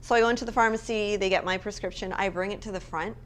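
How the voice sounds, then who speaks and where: A woman's voice: medium pitch, steady tone, quick pace. Chatty woman co-host telling stories. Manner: chatty storyteller, self-mocking. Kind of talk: casual chat. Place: hotel room.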